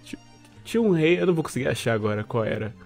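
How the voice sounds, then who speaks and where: A man's voice: mid-range voice, expressive, fast talker, vocal fry, darkish tone, soft background music. A man co-hosting a casual podcast, laid-back and dry in his replies. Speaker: podcast co-host.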